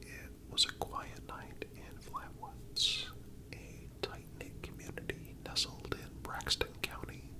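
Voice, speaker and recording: A man whispering a scripted story as an ASMR host, in a measured, deliberate way with pauses. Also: rough recording.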